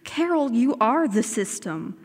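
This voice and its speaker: An earnest, persuasive woman reporter in a radio drama, played by an actress. Her voice is high and lively. A long reverb carries it. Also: measured pace. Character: earnest adult woman interviewer recording a story.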